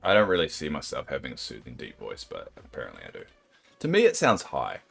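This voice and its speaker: A young adult man with a New Zealand accent and a deep, soothing voice, chatting casually and self-deprecatingly with his viewers while playing a game. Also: huge pitch swings, fast talker, gravelly, breathy edge, faint music behind. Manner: rambling, self-deprecating, sympathetic. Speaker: game streamer.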